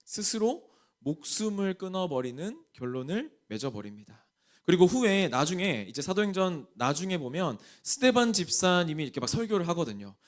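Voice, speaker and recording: Speaking with a Jeolla Korean accent, this male pastor from the Jeolla region preaches a sermon to young adults and peppers the congregation with questions. His high-pitched voice is very animated and moves at normal speed.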